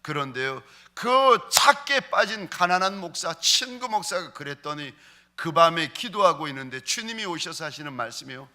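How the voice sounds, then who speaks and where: Bright-voiced Korean pastor preaching. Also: male voice, on the high side, big pitch swings. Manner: acts out quoted voices in his preaching, ends in slow prayer. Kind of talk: sermon.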